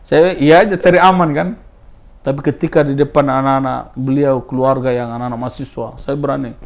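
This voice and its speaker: A man in his thirties from East Timor, telling his personal story in a casual interview, his voice rising high when he stresses a point. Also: fairly quick, gravelly. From Timor Leste. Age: 30s. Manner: animated storyteller, voice rising with emphasis.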